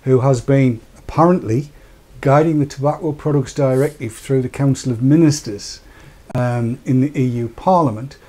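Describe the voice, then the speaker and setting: An older man hosting a casual studio chat, croaky after dental work, jokey and rambling. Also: mid-range voice, moderate pace, dark tone. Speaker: host. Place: small studio with dark backdrop. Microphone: lapel.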